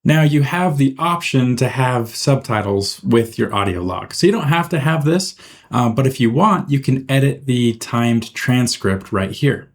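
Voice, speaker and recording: A man narrating a software tutorial in an informal, step-by-step way, as the host. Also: mid-range voice, animated, unhurried. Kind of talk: casual screen-recorded software tutorial narration.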